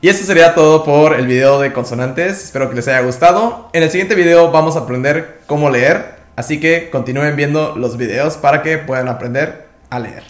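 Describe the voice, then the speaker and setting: Guy teaching pronunciation, calm and methodical, echoey room. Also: on the high side, a little fast. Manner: calm, step-by-step explanations. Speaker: language teacher. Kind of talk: explaining pronunciation in a lesson.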